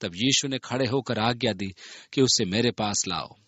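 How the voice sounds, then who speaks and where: A man reading a Bible passage aloud and explaining it in an earnest, expressive manner. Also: lowish voice, moderate pace, breathy edge, dry recording, highs cut off. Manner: earnest, expressive reading that voices the people in the story. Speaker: Bible teacher.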